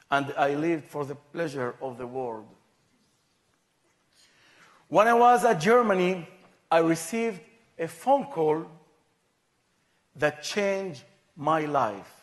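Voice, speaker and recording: A man from Israel, giving a personal testimony in slow, measured, plain phrasing. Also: on the high side. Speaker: guest speaker.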